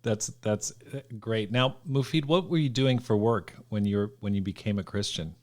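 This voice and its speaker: A man's voice: lowish voice, moderate pace, darkish tone. A man hosting a podcast, introducing guests and asking interview questions in an upbeat, encouraging way. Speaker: podcast host.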